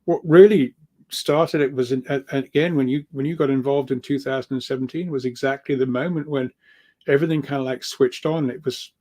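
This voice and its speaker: A man's voice: medium pitch, steady tone, brisk, dark tone. A man speaking as an interview guest, explaining at length in an earnest, enthusiastic way, often repeating words and restarting.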